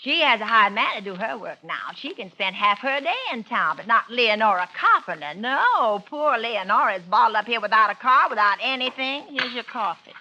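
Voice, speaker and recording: An actress playing a bitter, suspicious small-town wife in 1940s radio acting, sarcastic and resentful. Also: female voice, fairly high pitch, animated, normal speed, hardly any pauses, sharp tone, highs cut off, slight background noise. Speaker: narrator and lead character.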